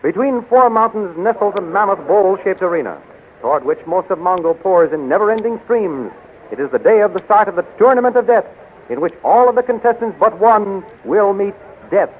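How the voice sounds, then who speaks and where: Adventure announcer-narrator, high voice, dramatic scripted delivery, old radio sound with faint hiss. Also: male voice. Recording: tinny, hissy 1930s radio recording.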